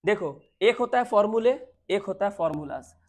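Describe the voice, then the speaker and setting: Indian guy teaching grammar for exams, keeps asking the class questions, reads english lines out real slow. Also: high voice, expressive, darkish tone. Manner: explains slowly, repeats points, quizzes students with questions; reads English sentences word by word, slowly. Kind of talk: exam-prep English grammar lesson.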